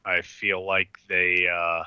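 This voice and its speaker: A man voicing an eleven-hundred-year-old vampire, measured and thinking aloud. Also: deep voice, little pitch movement, pushed and bright, clean tone, dry recording, muffled recording, full character voice. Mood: wary. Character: ancient male vampire, eleven hundred years old, calculating.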